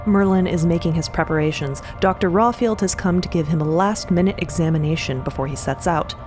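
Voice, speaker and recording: A woman narrates a scripted fantasy adventure in a fairly low voice. Her delivery is that of a dramatic podcast storyteller. Music plays behind her. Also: brisk, darkish tone. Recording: voice over prominent music.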